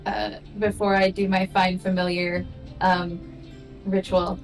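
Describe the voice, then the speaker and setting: A woman's voice: mid-range voice, little pitch movement, slow pace, faint music behind, rough recording. A woman chatting casually as a player in a tabletop role-playing game.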